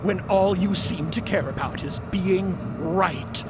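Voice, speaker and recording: An actor playing a prim, reproachful man with formal, measured, scolding speech in an audio drama. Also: high voice, heavy background noise. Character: prim, reproachful man inhabiting another's former body. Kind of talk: audio fiction drama acting.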